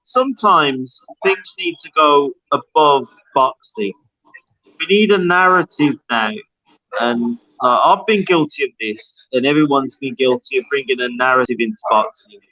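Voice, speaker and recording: A man's voice: mid-range voice, unhurried, sharp tone, dry recording, dull audio. A man with Welsh parents calling in to a boxing talk show, giving blunt opinions and repeating his points for emphasis. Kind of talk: casual boxing opinion chat.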